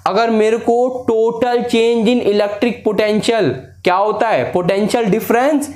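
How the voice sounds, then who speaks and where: A man's voice: high voice, steady tone, extremely slow, darkish tone. A man teaching physics at a board, walking students step by step through a derivation and mixing English formula terms into his speech. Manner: talks students step by step through a derivation, calling them sir and beta. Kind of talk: blackboard lesson. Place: classroom at a board.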